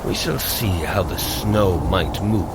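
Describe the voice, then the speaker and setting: An actor playing a hearty, confident warrior god who coaches with formal, commanding speech in an audio adventure. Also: male voice, sits low, slow pace, very noisy. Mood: steady, encouraging. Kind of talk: scripted audio adventure acting.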